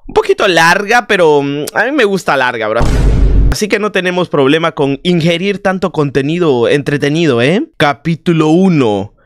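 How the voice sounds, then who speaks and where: A man's voice: a little high, lively intonation, normal speed, no room sound, clean studio sound. A man with a sore throat giving joking, chatty commentary while playing a horror game and talking to his viewers. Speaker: gaming video host. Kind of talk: playthrough commentary.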